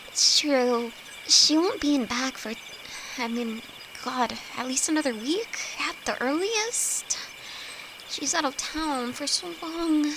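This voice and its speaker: A woman's voice: high voice, background noise. A woman playing a timid young apprentice alchemist in an intimate audio roleplay, with nervous, hesitant, stammering delivery and frequent sighs. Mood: uneasy. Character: timid young female apprentice alchemist, easily frightened, sweet best friend. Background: crickets and night forest sounds.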